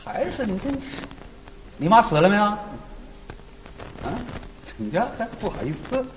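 A man performing a crosstalk comedy routine as the lead teller, talking in a lively storytelling way. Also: high-pitched, normal speed, a little hiss or hum. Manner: lively storytelling with mimicked opera wails. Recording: reverberant stage hall.

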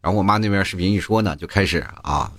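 A man's voice: low-pitched, fast talker, fairly bright tone, no echo. A man in his thirties, the host of his own show, telling rambling comic stories and acting out the people in them. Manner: rambling storytelling, restarts, acts out quotes. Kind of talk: comedic rant monologue.

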